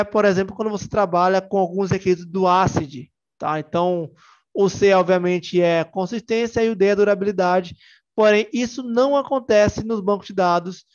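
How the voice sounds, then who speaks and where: A high-sitting male voice in lo-fi sound. The speaker is a young man from Salvador, Bahia, Brazil, with a Bahian Brazilian Portuguese accent, giving a joking, informal technical conference talk riddled with fillers and restarts.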